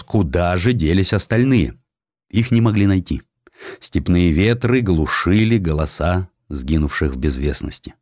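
A man reading a scripted historical narrative in a measured, grave storytelling manner. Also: low-pitched, darkish tone, no room sound, clean studio sound. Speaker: audiobook narrator.

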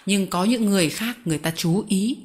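A woman's voice: mid-range voice, unhurried, a bit bright, lightly acted. A woman reading an audiobook voices a sly, cruel male boss who talks sweetly while threatening children, in a mocking, menacing way.

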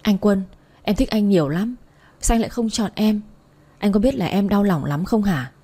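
A woman's voice: medium pitch, animated, moderate pace, warm tone, slightly rough. A woman voicing a drunk, heartbroken young woman who slurs and pleads. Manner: slurred, pleading.

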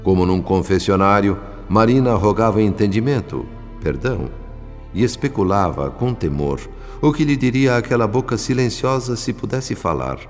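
Man as a deep, reverberant Brazilian narrator. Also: expressive, moderate pace, faint music behind, close to an everyday voice. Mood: solemn, reflective. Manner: solemn, formal, literary. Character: earnest, reflective male spirit narrator. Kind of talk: scripted radio drama narration.

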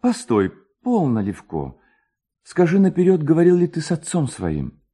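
A man voicing a shy, tender village girl in love, with a gentle, lilting delivery for a literary story. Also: fairly high pitch, wildly swooping pitch, normal speed, husky, pitched above the performer's own voice, heavily acted. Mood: affectionate.

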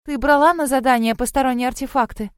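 A bright, high-pitched young rabbit girl, as a woman reading a storybook puts her on, earnest and fussing over a friend. Her worried voice sits well above the narrator's, and the sound is close and dry. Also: steady tone, fast, smooth, no echo, close to an everyday voice. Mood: reassuring.

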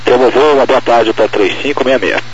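Fast-talking Brazilian male ground controller on radio. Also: mid-range voice. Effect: radio transmission. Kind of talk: rapid procedural ground control instructions. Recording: muffled aviation radio, faint noise.

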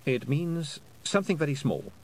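A dry, world-weary talking toad, as a male narrator voices him. He answers in a wry, sardonic drawl, his voice rising and falling with lively turns. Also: a little high, normal speed, pitched above the performer's own voice. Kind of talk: audiobook character voice.

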